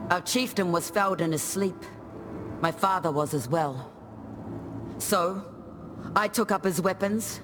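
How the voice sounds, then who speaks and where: A woman's voice: medium pitch, natural voice. A woman playing a stoic, resolute tribal warrior in a video game, speaking solemnly and matter-of-factly. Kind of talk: scripted video game character monologue.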